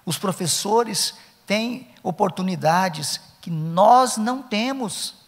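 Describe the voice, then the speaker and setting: A man's voice: high voice, lively intonation, slow pace, long reverb tail. A middle-aged man with a Brazilian Portuguese accent, lecturing Sunday school teachers at a church conference, emphatic and repeating his key points.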